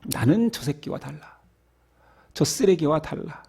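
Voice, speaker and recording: A man's voice: on the high side, expressive, unhurried, vocal fry, mellow, breathy edge, heavily acted. A man playing a resentful, protesting elder son. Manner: aggrieved, protesting.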